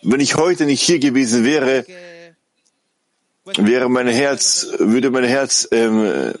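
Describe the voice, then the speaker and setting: A man giving a halting live spoken translation of a heartfelt testimonial, often correcting himself as he goes. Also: mid-range voice, expressive. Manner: halting, self-correcting delivery.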